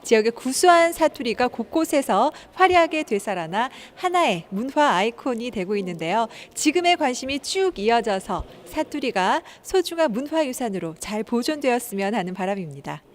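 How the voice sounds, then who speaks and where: A woman reporter narrating a news segment in a formal, measured way. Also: a little high, big pitch swings.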